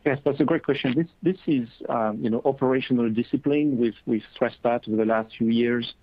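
A man answering as a company executive on an earnings call, measured and business-like with hesitant pauses. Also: medium pitch, dry recording. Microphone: conference call line. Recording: dull lo-fi conference call audio.

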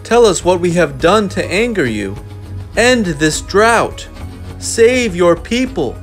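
Imploring tribal dancer voiced by a man, drawn-out delivery. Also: high voice, big pitch swings, pitched above the performer's own voice, heavily acted. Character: line of tribal dancers beseeching great spirits. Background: music.

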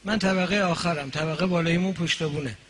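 A man voicing a mild male detainee who gives soft, deadpan answers under questioning. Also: a little high, breathy edge. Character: meek, cheeky male detainee playing dumb.

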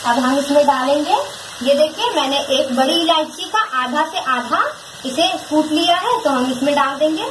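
A woman with a high voice explains a recipe step by step at her home stove, speaking patiently and repeating each instruction for her viewers. The kitchen sounds echoey, and the camera mic above the pot picks up a loud, steady hiss behind her voice. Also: normal speed. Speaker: home cook presenting a recipe. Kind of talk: step-by-step cooking demonstration.

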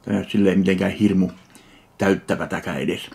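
A man from Finland tasting and reviewing a ready meal in slow, dry, deadpan remarks. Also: low-pitched, gravelly. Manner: slow, dry, deadpan commentary between bites. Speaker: food reviewer. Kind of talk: casual food tasting review.

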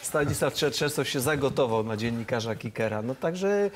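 A man's voice: mid-range voice, animated, moderate pace, slight background noise. A man, a football expert on a TV studio show, telling an anecdote animatedly and acting out the quotes.

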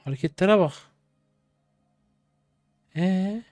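A man in his twenties streaming his gameplay, chatty and excitable, trash talking in slang and breaking into sudden high-pitched outbursts. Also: slow, no echo, studio quality, soft background music. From Turkey. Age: 20s. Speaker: game streamer. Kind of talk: live gameplay commentary.

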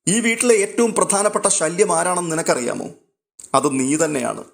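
Narrator doing a stern, scolding old patriarch in a read-aloud serial recap; slightly high voice. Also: male voice, close to an everyday voice. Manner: scolding, firm and formal. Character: stern elderly grandfather, family patriarch.

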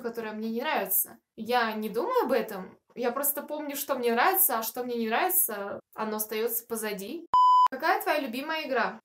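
A woman's voice: sits high, fairly bright tone. A woman of twenty-one chatting casually to camera as a video blogger answering viewer questions, in a reflective, talkative manner. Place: small furnished room, indoors.

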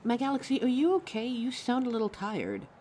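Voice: mid-range voice, big pitch swings, fairly quick, darkish tone, slight background noise, close to an everyday voice. A performer playing a caring, anxious young werewolf partner in a roleplay audio drama, tender and fussing, stammering when flustered. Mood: worried, insistent.

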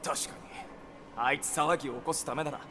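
An actor playing a cocky, mocking teenage jock in a game, his rough slangy voice ringing with a heavy echo as if in a big hall. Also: on the high side, fairly even intonation, a little fast, pushed and bright, slight background noise. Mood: taunting. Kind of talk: game voice acting.

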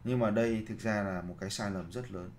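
A man's voice: fairly low pitch, brisk, slight background noise. A man giving a seminar lecture as a leadership trainer, posing rhetorical questions, then answering them himself, and repeating his key phrases to the audience.

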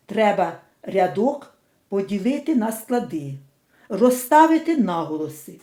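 A woman teaching in a slow, deliberate scripted lesson narration, carefully spelling out syllables. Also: mid-range voice, mellow, roomy sound.

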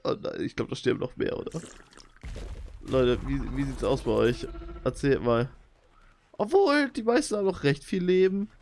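A young man doing live, excitable commentary on his own gameplay, talking straight to his viewers. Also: normal speed, long pauses, a little hiss or hum. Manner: excitable, talks to viewers, jumps into high squeals when excited. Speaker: let's play gamer.

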